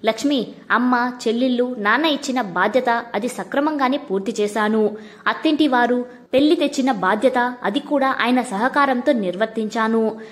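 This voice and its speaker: A worried, withdrawn middle-aged wife from a storybook speaks softly, with sorrow under her words. A woman reads her aloud in her own voice, pitched a little high. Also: moderate pace, close to an everyday voice. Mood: sorrowful. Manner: soft, sorrowful.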